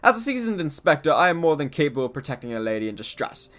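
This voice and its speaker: A man voicing a pompous gentleman inspector from a video game, reading lines in a grand, theatrical way. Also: fairly high pitch, sing-song, fast talker, faint music behind. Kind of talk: game dialogue read aloud.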